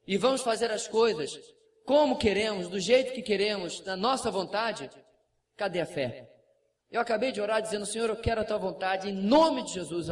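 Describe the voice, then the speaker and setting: High-voiced Brazilian pastor preaching from afar. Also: male voice. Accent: Brazilian Portuguese. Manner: lively preaching with asides and acted quotes. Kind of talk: sermon. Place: church sanctuary. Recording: distant mic, faint room noise.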